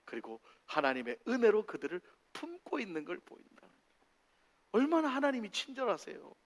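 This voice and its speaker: A man preaching a sermon in a church, acting out voices with big swings in pitch and loudness. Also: fairly quick, creaky. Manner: animated, acts out dialogue with big pitch swings. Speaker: pastor. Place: church sanctuary. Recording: long hall reverb.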